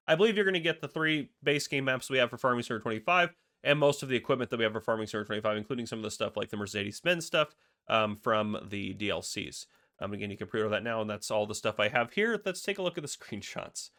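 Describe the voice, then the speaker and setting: Fast, raspy man with a cold. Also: mid-range voice, bright, forceful tone. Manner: rambling, filler-heavy, thinking aloud. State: fighting a cold. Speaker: gaming video host. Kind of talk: casual commentary over screenshots.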